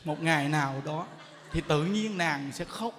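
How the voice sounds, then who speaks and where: A Buddhist monk, giving a jokey, lively storytelling sermon in which he acts out characters. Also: fairly high pitch, unhurried, background noise. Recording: echoey hall, faint ambience.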